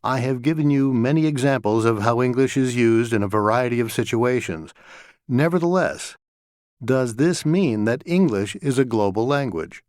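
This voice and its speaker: A man acting as a lecturer, giving a scripted class talk in a clear, measured way, recorded in a studio. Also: mid-range voice, animated, darkish tone, no room sound, lightly acted. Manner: measured, clear explanatory delivery. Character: male lecturer talking to a class.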